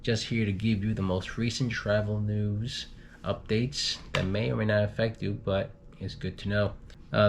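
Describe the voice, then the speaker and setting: A man reading travel news in an unpolished, halting way, stumbling over and repeating words. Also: on the low side, a little hiss or hum. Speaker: guest news reader, group moderator.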